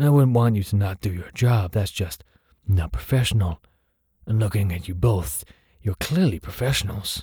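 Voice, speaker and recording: A man puts on a gruff, gravelly character voice with a fairly low pitch. He speaks at a moderate pace. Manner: overly confident, threatening, dry.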